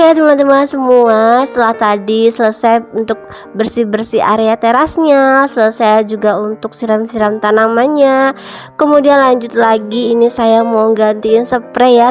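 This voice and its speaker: A mother in her thirties narrates a home cleaning vlog in a casual, chatty voice-over, sounding a little nasal from a cold as she warmly addresses viewers as moms and friends. Her voice sits on the high side, with faint music behind it.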